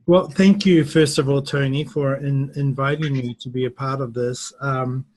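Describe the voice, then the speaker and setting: A middle-aged New Zealander who teaches English at a university answers interview questions slowly and thoughtfully, pausing often. His voice is mid-range, steady and darkish, with no echo but poor audio.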